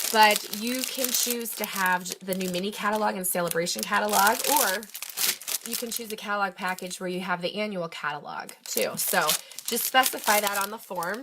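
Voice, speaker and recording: Over noticeable background noise, a woman talks in an enthusiastic tone at a moderate pace. Her pitch is medium, with ordinary variation. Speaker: craft demonstrator. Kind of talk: live stream tutorial. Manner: chatty, enthusiastic.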